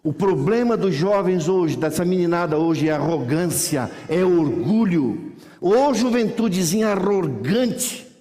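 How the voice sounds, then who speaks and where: A middle-aged male pastor, preaching a sermon in animated, folksy storytelling that acts out voices. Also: a little high, unhurried. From Brazil. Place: church hall. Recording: reverberant church hall.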